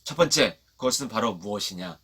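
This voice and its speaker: Guy preaching to kids, bright punchy voice, asks them stuff, makes them repeat after him. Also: on the low side, brisk, slightly rough. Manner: animated storyteller. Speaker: children's pastor. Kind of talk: children's sermon, Bible storytelling.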